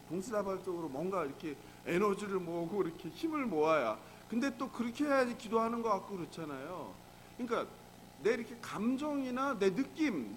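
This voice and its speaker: Male pastor, high and animated, chatty sermon full of questions to the room, faint noise under it. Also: low-quality recording. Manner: conversational, asks the congregation rhetorical questions. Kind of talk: early morning prayer sermon.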